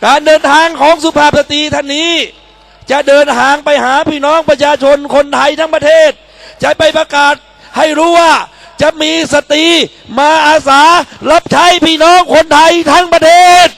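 Very high-pitched, gravelly man orating at a rally. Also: flat delivery, moderate pace, fairly bright tone. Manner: declamatory, emphatic short phrases. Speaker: rally speaker introducing a candidate. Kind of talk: political rally oratory. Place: public campaign rally in Thailand.

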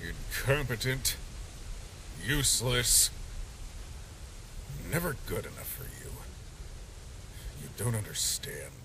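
A man voicing a sly, teasing skeleton sentry monster with a gruff streak and smug pet names, in a comic dub. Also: medium pitch, very animated, slow, pauses often, noisy background. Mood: bitter brooding. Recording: music playing behind.

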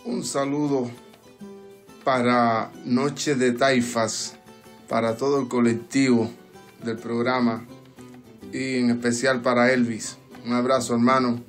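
A man's voice: medium pitch, level tone, takes it slowly. A man in his fifties with a Cuban Spanish accent, sending greetings over a video call. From Cuba. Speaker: guest improvising poet. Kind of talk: greetings to a show by video link. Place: indoor room with red curtain. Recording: roomy video call, music behind.

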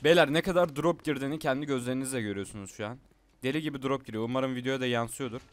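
A man's voice: mid-range voice, rapid-fire, a little hiss or hum. A young man streaming a game, ranting and swearing at his freezing computer while he talks to his teammates. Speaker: gamer streamer. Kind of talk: angry gameplay commentary.

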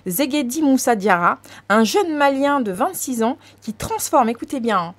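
A woman's voice: high-pitched, animated, normal speed. A woman in her thirties co-hosting a radio talk show, pressing the guest with questions at a studio mic. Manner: pushes the guest with questions, teasing. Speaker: radio co-host. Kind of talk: casual studio chat. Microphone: studio mic on boom, headphones.

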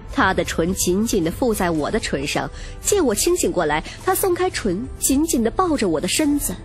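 A woman reading a romance novel as dramatic, scripted first-person narration. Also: mid-range voice. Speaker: audiobook narrator. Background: music.

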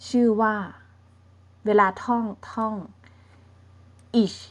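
A woman with a Thai accent teaching a German grammar lesson online, repeating words slowly and checking in with her students. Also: a little high, little pitch movement. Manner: drills words by repeating them, checks in with "remember?".

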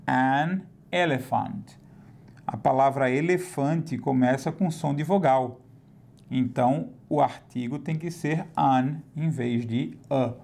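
A man teaching English in a recorded online lesson, explaining slowly and repeating each example word. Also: a little high, gravelly, warm tone.

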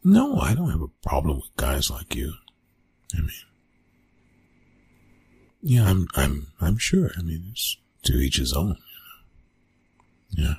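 A man playing a flustered, awkward young college bully in a one-sided ASMR roleplay, stammering and evasive, with a husky, gravelly voice. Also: very deep voice, wildly swooping pitch, unhurried, pauses often, darkish tone, no echo, heavily acted. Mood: sheepish, apologetic. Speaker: roleplay audio performer.

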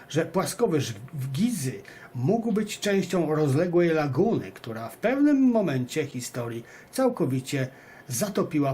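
A man's voice: on the high side, mellow, a little hiss or hum. A man hosting, reading an article aloud and adding emphatic, rhetorical comments addressed straight to viewers. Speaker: video host and narrator.

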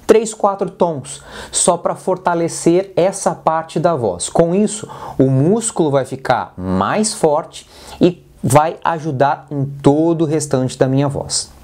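A man's voice: a little high, takes it slowly, darkish tone. A man with a Brazilian Portuguese accent teaching a singing lesson, coaching in a direct, playful way and demonstrating sounds. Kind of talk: vocal lesson with exercises.

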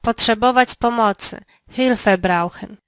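Slow, clear female drill partner. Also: fairly high pitch, no echo. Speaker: language lesson co-presenter. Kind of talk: language lesson answers.

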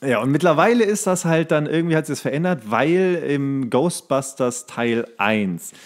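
A man's voice: fairly high pitch, expressive, normal speed. A man co-hosting a casual podcast chat in a rambling, jokey way. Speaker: podcast co-host.

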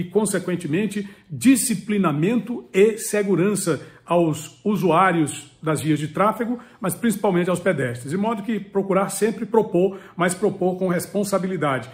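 A man in his fifties with a noticeably high voice lays out advice step by step. He sounds earnest and didactic and hammers key words through repetition. He is recorded close up in a home study. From Piauí, Brazil. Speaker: political commentator and channel host. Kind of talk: direct-to-camera advice talk. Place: home study with full bookshelves. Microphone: webcam or phone close up, head and shoulders.

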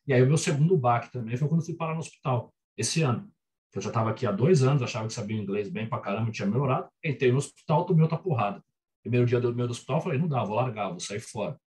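A Brazilian doctor in casual chat, telling stories animatedly and acting out his own quotes, over a video call. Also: mid-range voice. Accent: Brazilian Portuguese. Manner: animated, quick storytelling with acted-out quotes. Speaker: guest doctor working abroad.

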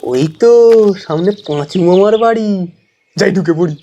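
A man's voice: high voice, normal speed, mellow, lightly acted. An actor playing a brash, boastful young man who plays doctor in a comic audio drama, theatrical and self-important.

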